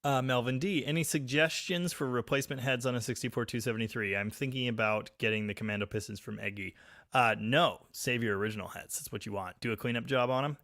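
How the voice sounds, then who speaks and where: A man hosting a live stream, chatting casually and reading viewer comments, with a very loud voice recorded on a phone. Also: medium pitch, fast talker, dry recording, clean studio sound. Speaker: livestream host reading chat. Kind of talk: casual live chat about cars. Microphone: phone microphone.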